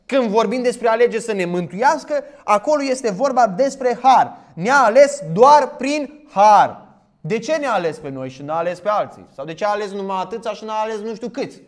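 A man with a high-pitched voice preaches a sermon. He is emphatic, fires off rhetorical questions and reads scripture out loudly. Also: lively intonation, hardly any pauses.

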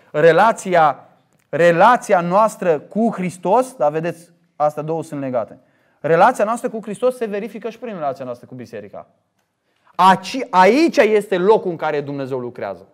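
A man preaching a sermon, swinging between loud emphatic lines and quiet asides, sometimes acting out imagined speech. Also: a little high.

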